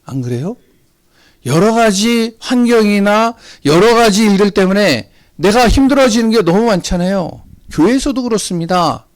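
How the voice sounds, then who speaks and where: A man's voice: high-pitched, no room sound. A male pastor preaching a sermon in a church, telling personal stories and asking the congregation rhetorical questions. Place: church sanctuary.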